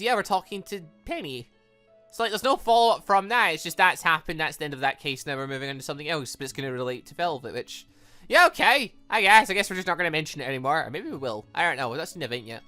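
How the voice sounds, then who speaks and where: A man with a bright, forceful voice commentates on a game. His pitch swings around a lot as he chats excitably and wanders between thoughts. Soft music plays underneath. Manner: excitable, chatty, tangent-prone, thinking aloud. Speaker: host of a game playthrough series. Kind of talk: casual rambling gaming commentary.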